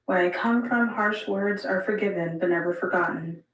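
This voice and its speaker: A woman introducing and reading her own poem in a steady, deliberate delivery. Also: medium pitch, muffled recording. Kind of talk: recited poetry. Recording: roomy, distant mic.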